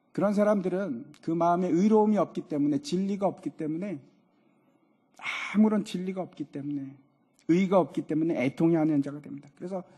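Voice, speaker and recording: A man's voice: fairly high pitch, mellow, husky. A man preaching a sermon as pastor, raising his voice for emphasis and acting out voices in the passages he quotes. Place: church sanctuary.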